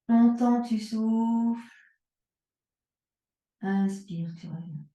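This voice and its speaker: Calm woman guiding a slow yoga class. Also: a little high, distant mic. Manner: slow, calm cueing of breath and movement. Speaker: yoga instructor. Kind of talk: guided yoga and strengthening class. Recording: echoey room, voice from away from the mic.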